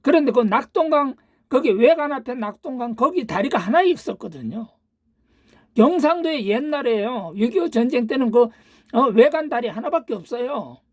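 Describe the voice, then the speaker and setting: Older woman host, political rant, husky and animated, throws out rhetorical questions and insults. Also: a little high, normal speed, no room sound, studio quality. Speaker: channel host. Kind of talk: political monologue.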